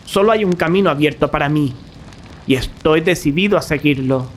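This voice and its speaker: An actor playing a resolute, grave young male student in an audio drama, speaking formal Castilian Spanish firmly and deliberately. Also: a little high, a little hiss or hum, natural voice. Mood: grave, determined.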